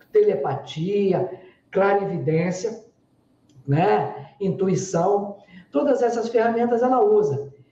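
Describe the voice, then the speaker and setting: Long, frequent pauses break up a man's very slow speech, his voice high in pitch with a dark, mellow tone and ordinary pitch variation. Room echo is audible. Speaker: spiritualist author. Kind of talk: interview. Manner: informal conversational.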